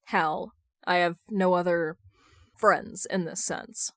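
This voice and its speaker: Woman as stoic brooding father, gloomy, condescending, deadpan, terse, very dry sound, audiobook dialogue. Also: lowish voice, slow, no echo. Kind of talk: fan fiction audiobook dialogue.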